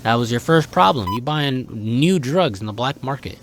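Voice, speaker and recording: A man's voice: medium pitch, expressive, moderate pace, a little hiss or hum. A man giving casual, slangy reaction commentary as a video host, sounding incredulous and partly reading text aloud. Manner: slangy, incredulous, often addressing viewer as bro.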